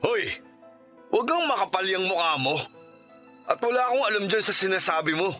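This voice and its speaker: A man's voice: high voice, expressive, fairly quick, sharp tone, soft background music. An actor playing an arrogant, menacing rich male boss in a radio drama, contemptuous and bullying. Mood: contemptuous anger. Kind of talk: Tagalog radio drama acting.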